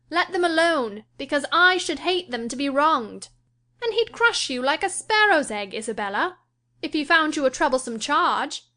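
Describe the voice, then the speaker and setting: A woman's voice: high-pitched, pushed and bright, voice pushed up. A woman reading an audiobook and voicing a proud, imperious young lady of the house who talks with scorn and emphasis. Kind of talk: audiobook character voice.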